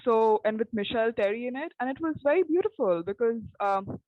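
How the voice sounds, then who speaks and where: Young woman talking haltingly, dry sound. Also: a little high, expressive, dry recording, dull audio. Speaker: playwright. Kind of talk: roundtable discussion.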